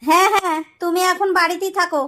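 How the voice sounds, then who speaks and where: A woman plays an exasperated young wife in a comedy cartoon, with a tiny, extremely high voice. She has a Rajshahi Bengali accent and snaps out curt, complaining replies. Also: steady tone, fast, sharp tone. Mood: weary annoyance. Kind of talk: comic cartoon dialogue.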